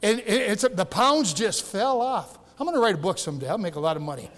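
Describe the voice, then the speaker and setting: A man's voice: high-pitched, expressive, brisk, fairly bright tone, long reverb tail, a little hiss or hum. A man in his sixties from Michigan, a longtime pastor preaching a sermon in a church in a folksy, joking way with many restarts. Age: 60s. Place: church sanctuary.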